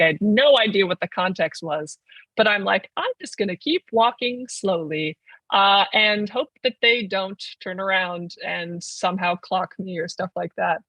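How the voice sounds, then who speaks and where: A man's voice: high voice, sharp tone, no room sound, low-quality recording. A 21-year-old trans man and podcast guest, chatting casually and rambling with lots of "like.". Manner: rambling, heavy use of "like". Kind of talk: casual conversation.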